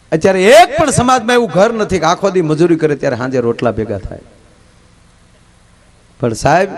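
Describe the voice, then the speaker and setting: A man's voice: a little high, darkish tone. A man telling folk jokes on stage, acting out the lines of the people in his stories and then turning to earnest moral advice. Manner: storytelling, acting out dialogue, turns preachy and rousing. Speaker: folk comedian and storyteller.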